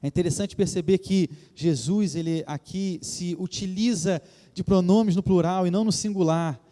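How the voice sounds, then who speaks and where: A male pastor with a Rio de Janeiro accent preaches to his congregation in a reverent, earnest way, pausing for emphasis. His voice is somewhat high, but the tone is warm and mellow. A long church reverb trails each phrase. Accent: Brazilian Portuguese, Rio de Janeiro. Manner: addresses the congregation as "queridos" often. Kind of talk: sermon. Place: church sanctuary.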